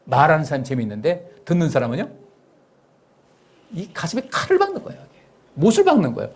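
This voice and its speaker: A middle-aged man preaching a sermon as pastor. He swings between soft, low asides and sudden high, raised outbursts, and acts out parents' words in a gentle coaxing tone. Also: wildly swooping pitch, quick pace, slightly rough.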